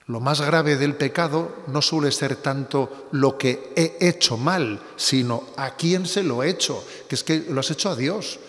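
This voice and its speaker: A man's voice: a little high, a little slow, hardly any pauses, fairly bright tone. Man preaching in a reverberant hall. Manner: conversational preaching with frequent tag questions. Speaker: bishop. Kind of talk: sermon-like spiritual reflection.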